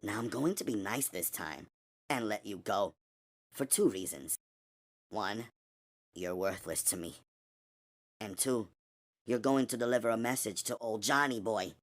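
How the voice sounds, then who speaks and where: A man voicing a weary, knowing superhuman woman who speaks in measured, terse lines. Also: on the low side, expressive, pitched above the performer's own voice. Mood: cold. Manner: measured, terse and matter-of-fact. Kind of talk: audiobook character voice.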